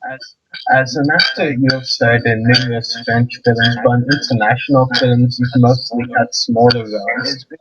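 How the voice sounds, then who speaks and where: A man hosting a podcast and asking interview questions in an even, flat delivery. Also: mid-range voice, normal speed, lo-fi sound, over a noisy crowd.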